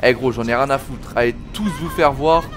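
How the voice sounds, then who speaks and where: A man's voice: medium pitch, fairly quick, over music. A man, angry, swearing and slangy, commenting on a video game he plays and talking to his viewers. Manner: swearing, slangy, talks to viewers as "les gars". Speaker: gaming video host. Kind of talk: let's play commentary.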